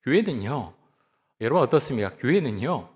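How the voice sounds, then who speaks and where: A man in his fifties, a pastor giving a sermon in a church, telling a personal story calmly and reflectively, often pausing with "ah" and "uh". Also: mid-range voice. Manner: calm, reflective storytelling with frequent "ah" and "uh" fillers. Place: church sanctuary. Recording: long hall reverb.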